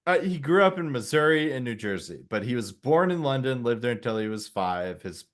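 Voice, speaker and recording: A man's voice: medium pitch, sing-song, fairly quick. A man co-hosting a comedy podcast in casual chat, rambling and jokey, often breaking off mid-thought. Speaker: podcast co-host.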